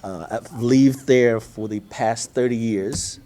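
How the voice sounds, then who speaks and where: A middle-aged man from Tanzania speaking on a seminar panel, pausing often with many fillers and restarts. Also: medium pitch, warm tone. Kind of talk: panel discussion. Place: seminar hall.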